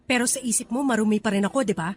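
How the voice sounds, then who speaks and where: A woman's voice: fairly high pitch, racing, natural voice. A woman playing a guarded, hurt young KTV hostess in a radio romance drama, speaking in an emotional, pleading manner. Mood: hurt, reproachful.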